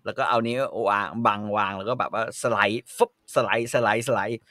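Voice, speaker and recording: A man co-hosting a casual chat, an animated storyteller who laughs often and swears freely. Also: fairly low pitch, a little fast, dry recording, clean studio sound. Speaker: co-host.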